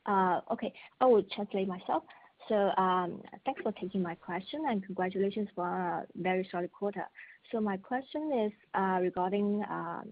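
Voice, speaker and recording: Narrow phone sound, woman, Mandarin native, Chinese accent, analyst, earnings call question, mid pitch. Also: normal speed. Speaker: financial analyst asking questions. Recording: tinny phone conference line.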